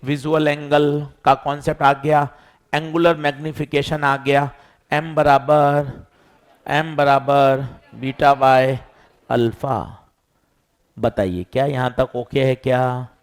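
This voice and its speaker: Lively physics teacher man. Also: medium pitch, slow, smooth. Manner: lively, quizzing students and answering himself. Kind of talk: classroom lecture.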